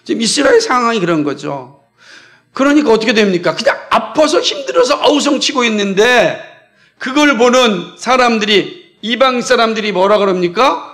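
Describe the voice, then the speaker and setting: Male pastor from South Korea, high-pitched, emphatic sermon delivery, keeps quizzing the congregation. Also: lively intonation, normal speed, a bit bright. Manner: emphatic, poses repeated questions to the congregation.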